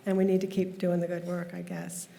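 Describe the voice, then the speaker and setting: A woman's voice: fairly low pitch, vocal fry, noisy background. A woman chairing a school board meeting, moving business along with brief, informal prompts.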